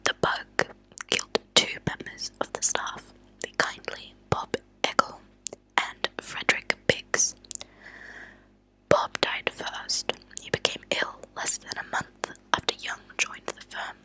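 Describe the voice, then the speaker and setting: A woman speaks entirely in a breathy whisper with a bright, crisp edge. She reads in a deliberate, soft ASMR manner, as a host sharing stories. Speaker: ASMR host reading true crime stories aloud. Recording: lo-fi close whispered ASMR recording.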